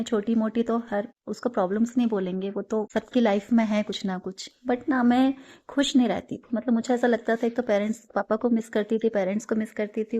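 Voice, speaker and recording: A woman's voice: a little high, warm tone. Earnest woman giving a devotional testimony. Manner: earnest, mixes English words into Hindi. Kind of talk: personal spiritual testimony.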